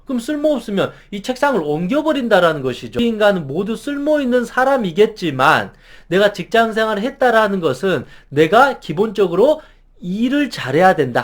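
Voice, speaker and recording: A middle-aged man giving an earnest advice lecture as a counselor, stressing his points emphatically. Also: high-pitched. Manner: earnest, emphatic, acts out example phrases.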